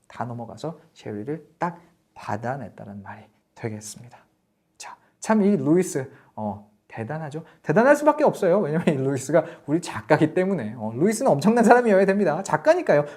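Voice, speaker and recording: A woman with a Korean accent teaches a read-along English lesson. Her voice sits low, but its pitch swings widely and expressively. She slows down to read the English lines aloud and then explains them. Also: a little mellow.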